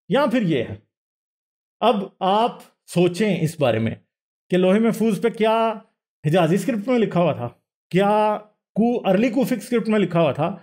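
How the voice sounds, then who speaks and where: Man, livestream host, high voice, soft dark tone, lecturing over slides, rhetorical questions, self-correcting. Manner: explanatory, asks the audience rhetorical questions; mixes English words into speech, self-corrects.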